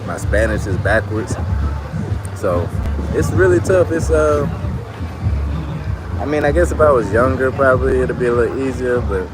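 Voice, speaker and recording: A man's voice: medium pitch, animated, moderate pace, long pauses, rough recording. A man vlogging outdoors at night in a bar area, talking loosely and casually with lots of "like" fillers. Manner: loose, chatty, many "like" fillers. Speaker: travel vlogger. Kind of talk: casual rambling talk to camera. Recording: outdoor street audio with loud music. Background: music from nearby bars.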